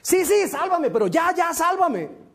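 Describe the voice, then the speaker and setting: A man voicing a desperate man tumbling down a canyon, pleading frantically for rescue in a high strained voice. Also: sing-song, measured pace, vocal fry, fairly bright tone, exaggerated voice.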